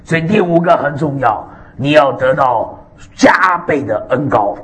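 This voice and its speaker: A man preaching a sermon, animated and emphatic, with frequent hallelujahs and amens. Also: mid-range voice, a little slow. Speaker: pastor.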